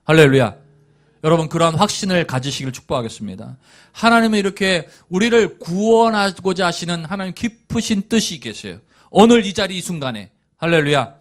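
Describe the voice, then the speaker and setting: A chatty Korean pastor preaching. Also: male voice, high-pitched, lively intonation, brisk. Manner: chatty storytelling with asides and chuckles; rousing calls to the congregation. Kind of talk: sermon.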